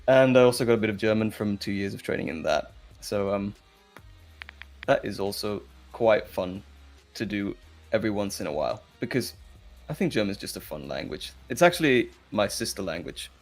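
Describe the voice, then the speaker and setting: Man, Flemish accent, Dutch native, apologetic and joking, soft music behind. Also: fairly low pitch, animated, moderate pace. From Belgium. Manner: self-deprecating, apologetic, joking. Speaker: voice actor guest. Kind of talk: casual chat.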